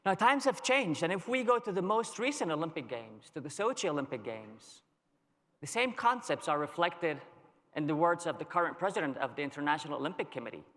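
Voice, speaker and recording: Guy doing a keynote on a big stage, slow dramatic storytelling, voice a bit high, long hall echo. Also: expressive, a bit bright. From Lebanon. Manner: storytelling, measured with dramatic pauses. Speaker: keynote speaker. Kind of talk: conference keynote speech. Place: large conference hall. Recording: long reverb of a large hall.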